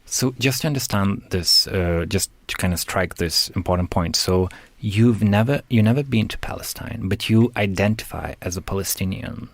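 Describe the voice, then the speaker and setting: Male podcast host from Lithuania; thoughtful and hesitant, lowish voice, dry close mic. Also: no room sound. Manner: thoughtful, hesitant with drawn-out hums. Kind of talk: interviewing.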